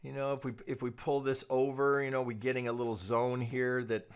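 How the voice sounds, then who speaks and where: A man giving an informal technical analysis lesson as a trading analyst, explaining in a measured, cautious way with repeated phrases and frequent check-ins. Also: medium pitch, level tone, clean tone. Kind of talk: informal technical analysis commentary over charts.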